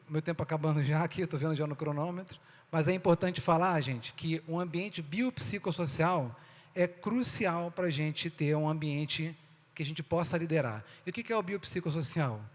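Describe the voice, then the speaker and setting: Brazilian man speaking in a reverberant hall. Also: on the high side. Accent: Brazilian Portuguese. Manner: conversational, addresses audience as gente, rhetorical questions. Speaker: speaker giving a talk. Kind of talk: stage talk to an audience.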